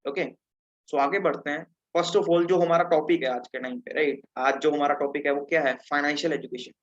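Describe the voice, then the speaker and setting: A man's voice: a little high, fairly even intonation, fairly quick, muffled recording. A teenage man from Punjab giving an interactive online lesson over a video call, chatty and often checking in with his listeners. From Punjab, India. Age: teens. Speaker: webinar presenter.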